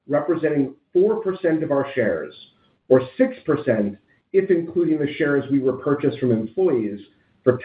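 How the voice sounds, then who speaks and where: A man in the role of a finance chief formally reads out scripted financial results on a conference call in a businesslike way. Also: medium pitch. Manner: formal, businesslike reading of figures. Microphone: conference call phone line. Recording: tinny, echoey conference phone line.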